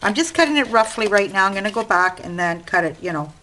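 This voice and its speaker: A woman's voice: medium pitch, lively intonation, quick pace, bright, forceful tone, slight background noise, poor audio. Chatty crafting woman with Italian-American accent. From Sicily. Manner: chatty, explaining while working with hands. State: itchy throat, clearing it. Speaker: craft channel host. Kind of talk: casual craft tutorial. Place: home craft desk.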